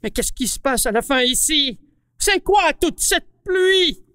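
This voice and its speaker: A woman's voice: high voice, expressive, a little slow, pushed and bright, in a large hall, full character voice. A woman voicing a grumpy male apple who hates the rain, indignant and exclaiming.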